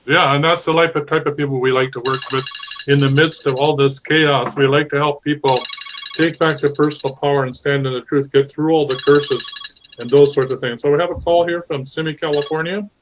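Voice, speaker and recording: A man hosting a live call-in show, speaking calmly and with conviction. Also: a little high, brisk, noisy background. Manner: calm, talks about curses and spiritual healing with conviction. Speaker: host.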